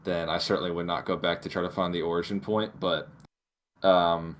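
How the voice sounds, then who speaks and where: Male podcast co-host, slightly low pitch, casual opinionated talk. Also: fairly even intonation, normal speed.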